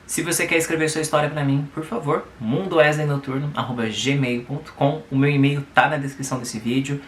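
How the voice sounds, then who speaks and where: A man's voice: on the high side, steady tone, a little fast, echoey room, slight background noise. A Brazilian man with a Brazilian Portuguese accent, hosting his channel and reading a viewer's letter aloud with chatty commentary and tag questions. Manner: conversational, adds tag questions. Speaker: YouTube host.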